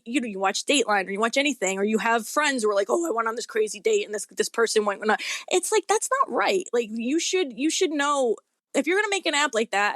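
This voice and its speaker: Higher-voiced woman in earnest conversation. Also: fairly bright tone, no room sound, studio quality. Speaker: guest author. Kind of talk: casual interview chat.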